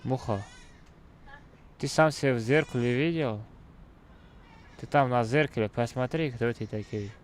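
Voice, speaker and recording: A man's voice: mid-range voice, measured pace, pauses often, slight background noise. A young man with a Central Asian accent, a native Tajik speaker, bantering casually on a gaming livestream in a brash, teasing, repetitive way. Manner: brash, teasing, repeats himself. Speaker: game live streamer.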